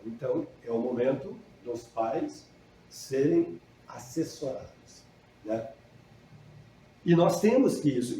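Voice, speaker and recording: A man's voice: a little high, dark tone, slight background noise. A middle-aged man giving a conversational spiritual lecture, earnest and often ending phrases with a questioning tag. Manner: earnest, tags sentences with a questioning "né?". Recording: echoey hall recording.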